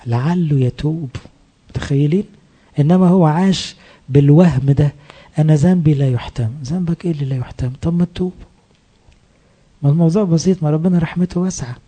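A man preaching in an Egyptian accent, his voice very dark and a little husky. He talks in a lively, colloquial way, often asking his listeners questions and acting out the voices he quotes. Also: a little high. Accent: Egyptian Arabic. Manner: animated, asks the audience questions, acts out quoted voices. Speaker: priest. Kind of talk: colloquial sermon.

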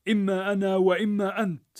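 A man voicing a stingy, middle-aged male perfume seller who shouts in fury, in a told story. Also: fairly high pitch, very fast, voice pushed up, natural voice. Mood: enraged. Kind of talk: storybook narration.

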